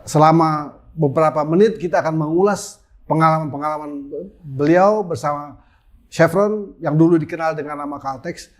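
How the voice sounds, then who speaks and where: Older man hosting a talk show. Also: a little high. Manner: slow, hesitant questions with fillers. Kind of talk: casual interview chat.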